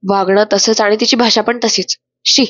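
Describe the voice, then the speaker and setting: A woman voicing a sharp-tongued older sister who accuses and taunts, read plainly in a narrated serial recap. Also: medium pitch, steady tone, moderate pace, slight background noise, natural voice. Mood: accusing. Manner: accusing, scornful. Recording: dry, slightly dull voice-over.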